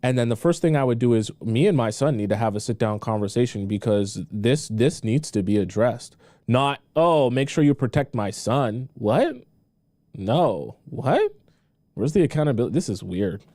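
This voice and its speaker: A man's voice: medium pitch, moderate pace, dark tone, no room sound. An American man giving casual reaction commentary as a streamer, questioning and repeating himself in disbelief.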